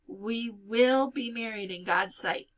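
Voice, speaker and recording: A woman voicing a gentle, steadfast young man with a grave manner in a story. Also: on the high side, slow pace. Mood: tender, adamant.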